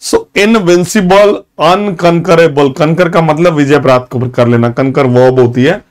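A man teaching English vocabulary in a live online class, moving between Hindi and English. He reads English examples slowly and praises students by name. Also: on the high side. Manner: switches between Hindi and English, with slow, drawn-out English example sentences; praises students by name and urges them to take notes.

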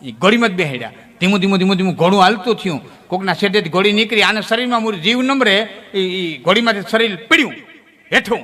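A man telling comic folk stories on stage, with lively, sudden jumps in pitch. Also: fast talker. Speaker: folk storyteller. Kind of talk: folk comedy storytelling on stage. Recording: long hall reverb.

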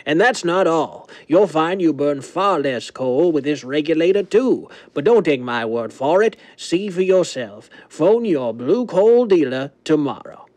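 Man as higher-pitched vintage radio pitchman, dry sound. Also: lively intonation, darkish tone, dry recording. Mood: earnest. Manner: persuasive, measured. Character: folksy, earnest male heating-expert radio pitchman. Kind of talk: 1930s radio advertisement.

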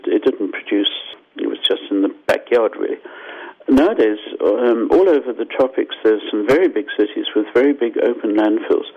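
An older man from Zimbabwe, a scientist guest explaining things thoughtfully in a radio interview, with restarts and lively asides. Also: fairly low pitch. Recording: dull lo-fi phone line.

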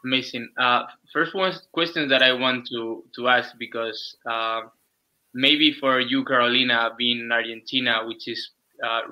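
Flat-voiced host on muffled audio. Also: male voice, medium pitch. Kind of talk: online panel hosting.

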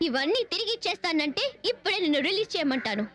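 A woman's voice: very high-pitched, big pitch swings, rapid-fire, fairly bright tone, heavily acted. An actress playing a headstrong young woman who bossily accuses a man of being a fraud. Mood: accusing. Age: young adult. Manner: defiant, accusing, bossy. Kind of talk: Telugu film comedy acting.

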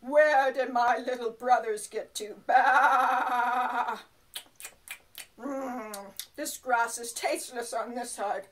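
A woman voicing a big, confident male billy goat in a puppet show, firm and drawn-out, with bleats. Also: on the high side, fairly even intonation, far from the mic. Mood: musing, bold.

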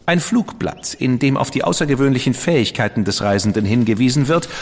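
An actor playing a witty, decadent dandy detective's partner in a German radio drama, flippant and ironic. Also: male voice, mid-range voice, expressive, fairly quick, in a large hall, a little hiss or hum, close to an everyday voice. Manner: flippant, ironic, self-satisfied.

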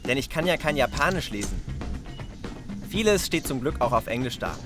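Presenting a lively children's reportage over music, a young man explains things simply and chats casually in short sentences. His mid-range voice is very animated, and he keeps a moderate pace.

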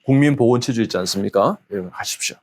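A man's voice: mid-range voice, racing, a little mellow. A middle-aged man, a doctor, giving a health lecture and earnestly urging his listeners directly. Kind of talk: lecture to an audience.

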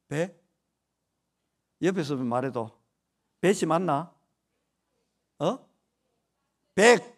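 Lively Gyeongsang pastor preaching, higher-pitched man. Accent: Gyeongsang Korean. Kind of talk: sermon. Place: church sanctuary during worship.

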